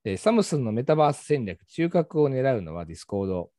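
A man with a faded Kansai accent co-hosts a casual podcast, easygoing and quick to laugh. He talks fast with big pitch swings in a mellow, fairly low voice. The sound is dry. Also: sing-song, no echo. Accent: faded Kansai Japanese. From Kansai, Japan. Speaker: marketing teacher, co-host.

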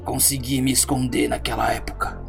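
A man playing a weary, menacing survivor in an audio drama game, speaking slowly and ominously. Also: mid-range voice, wildly swooping pitch, creaky, over loud music, full character voice. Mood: grave, ominous. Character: weary, menacing whisky-drinking, cigar-smoking man who hid for ages.

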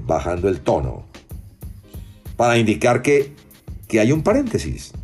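A man's voice: medium pitch, a little mellow. A man teaching voice-over reading in a podcast lesson, demonstrating intonation with his own voice.

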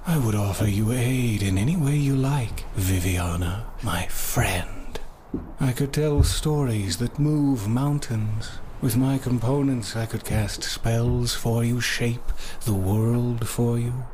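A man's voice: mid-range voice, slow pace, darkish tone, a little hiss or hum, natural voice. A man playing a courtly, cryptic mystic prisoner in an improvised horror fantasy podcast, speaking in formal, ornate phrases with whispery moments. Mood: coaxing. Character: caged male mystic prisoner, cryptic, courtly, quietly persuasive.

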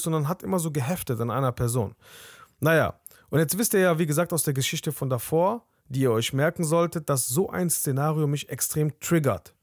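A man's voice: medium pitch, no echo, clean studio sound. Young man telling a candid personal story. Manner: candid, conversational, tags sentences with "ne?". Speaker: podcast host.

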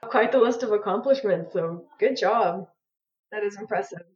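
A woman's voice: mid-range voice, moderate pace, a little mellow, muffled recording. A woman hosting a casual interview, reacting and asking questions in chatty, informal language. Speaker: interviewer, host.

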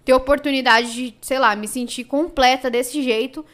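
Brazilian woman, fairly high voice, candid emotional storyteller for a casual podcast chat. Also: moderate pace. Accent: Brazilian Portuguese. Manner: emotional, animated storytelling with many fillers. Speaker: podcast guest.

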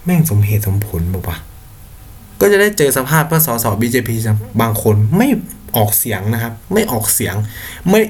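A man's voice: mid-range voice, sing-song, normal speed. Blunt slangy man hosting a podcast. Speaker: podcast host. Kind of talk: casual solo commentary.

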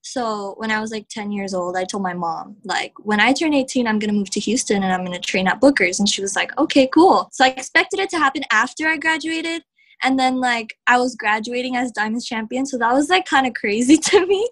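Young woman from Texas, wrestler guest, chatty and laughing, voice a bit high, lots of "like". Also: fairly quick, fairly bright tone. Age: young adult. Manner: chatty, heavy use of "like", laughs often. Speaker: professional wrestler, interview guest. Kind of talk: casual interview answers.

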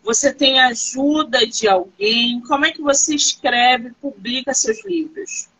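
An author hosts a live-stream interview, and her high voice comes through an unhurried delivery on a low-quality recording. Animated and reassuring, she asks questions and tells stories.

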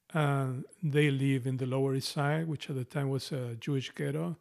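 Gravelly man with a Mexican accent. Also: fairly high pitch, a little mellow. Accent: Mexican Spanish. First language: Spanish. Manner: thoughtful, restarts phrases often. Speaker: podcast co-host. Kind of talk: casual book discussion.

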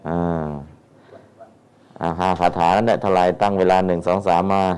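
A man's voice: low-pitched, steady tone, moderate pace, darkish tone, slight background noise. A man teaching Buddhist scripture, explaining how to chant Pali verses and demonstrating the chants with repeated phrases.

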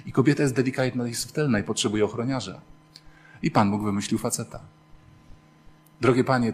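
A man's voice: medium pitch, slight background noise. A man preaching as a priest, telling humorous stories with animation and acting out the voices of the people in them. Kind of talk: sermon.

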